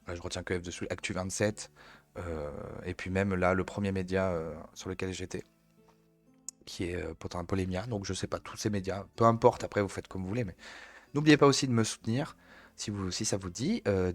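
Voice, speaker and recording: Sarcastic low-voiced male stream host. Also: fairly quick, faint music behind. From France. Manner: sarcastic, mocking, blunt. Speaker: host of a live news review stream. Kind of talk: casual live commentary.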